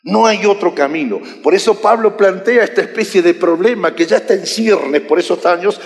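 A man preaching a sermon, animated and joking with his congregation. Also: high-pitched, moderate pace, vocal fry. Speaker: pastor. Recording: echoey hall reverb.

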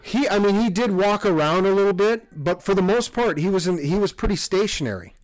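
A man's voice: high voice, expressive, fairly quick, no echo, studio quality. A man co-hosting a podcast, chatting casually about sports in a rambling, self-correcting way. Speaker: podcast co-host.

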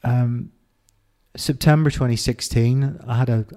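Reflective Irish man, flat mellow voice. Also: medium pitch. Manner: reflective, halting, with frequent restarts and fillers. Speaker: interview guest. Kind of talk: candid personal interview.

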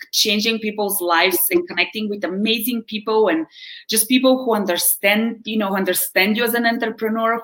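A woman's voice: medium pitch, fairly bright tone, poor audio. A woman in her forties from Bulgaria with a Bulgarian accent, a wellness coach chatting as a podcast guest, laughing often and tagging lines with "right?". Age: 40s. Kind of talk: conversational interview.

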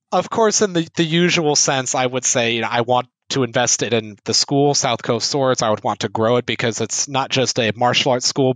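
A man fencing instructor, a podcast guest, explaining in an earnest, steady way with a few small restarts. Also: medium pitch, no room sound, rough recording. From United States. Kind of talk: casual podcast interview.

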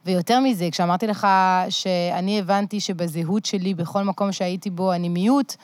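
A woman's voice: on the low side, steady tone, darkish tone, dry recording. A middle-aged woman from France with a French accent in Hebrew, chatting reflectively as an interview guest. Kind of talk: casual reflective conversation.

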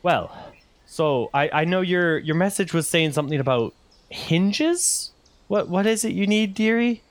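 A man's voice: high voice, animated, a little slow, no echo, pitched above the performer's own voice. A game master voicing a cheerful, fussy father who loves puns and paperwork. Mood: fond. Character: fussy cheerful father, pun-loving engineer.

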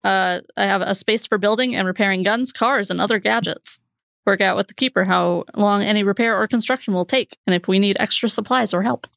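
A woman's voice: mid-range voice, fairly quick, gravelly, fairly bright tone, no room sound, clean studio sound. A woman casually describing her character in a tabletop game, chatty with frequent fillers and laughs. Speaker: player.

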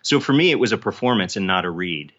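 Man, somewhat low voice, sharp bright tone, assertive, casual interview guest, dull lo-fi recording. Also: animated, fast. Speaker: author and podcast guest.

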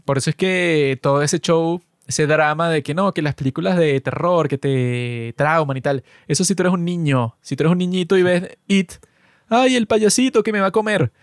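A man's voice: fairly high pitch, moderate pace, hardly any pauses, smooth, no echo, studio quality. A man co-hosting a podcast from Latin America, telling stories in a joking, mock-boastful, slangy way. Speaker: podcast co-host. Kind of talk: casual podcast chat.

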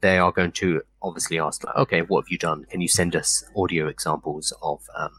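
A British man from South London with a slight lisp, co-hosting a casual live stream and explaining things in a relaxed, wry way. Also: low voice, a little fast, breathy edge, no echo. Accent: British English, South London tinge. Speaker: co-host.

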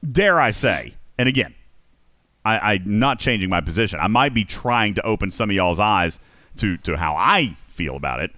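This is a man hosting a casual group talk, his pitch swinging widely as he questions the others and thinks out loud. The sound is close and dry, with almost no room behind it. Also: dry recording. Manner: animated, questioning, musing aloud. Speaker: podcast host.

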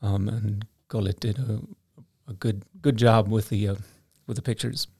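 A young man from Iceland chatting casually as a podcast co-host, telling animated stories and laughing often. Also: on the low side, moderate pace, vocal fry, slightly rough, no room sound, studio quality. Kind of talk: casual conversation.

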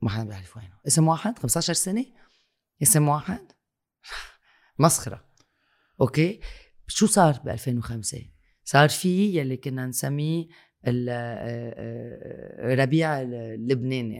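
A man speaks Arabic-accented Lebanese dialect in a conversational, political register. His pitch sits in an ordinary middle range, and he drives points home by repeating phrases and posing rhetorical questions, slipping in French and English words. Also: warm tone.

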